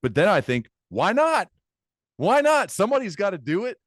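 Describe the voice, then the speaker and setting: A man's voice: high voice, wildly swooping pitch, normal speed, no echo. Enthusiastic male podcast host, close dry sound. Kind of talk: conversational long-form interview.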